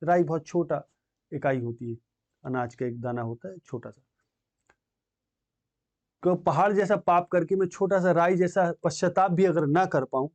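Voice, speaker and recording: A man with a somewhat high voice teaches a class lesson on poetry. He recites verse lines in a slow, drawn-out way, then explains their meaning in a plain teaching tone. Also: a little mellow, lo-fi sound. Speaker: Hindi teacher.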